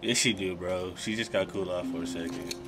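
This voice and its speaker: A man's voice: sits low, fairly quick, music in the background. A young man giving casual, slangy reaction commentary at home, repeating phrases for emphasis. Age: young adult. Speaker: reaction video host. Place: small room at home, indoors, seated at desk.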